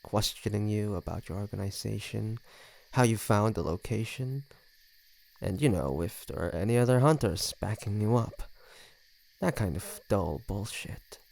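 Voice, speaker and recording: Man voicing a smug, creaky low-voiced flirty vampire. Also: animated, moderate pace, a little mellow. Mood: playful menace. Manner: teasing, smug, sardonic. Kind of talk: scripted audio roleplay addressed to the listener.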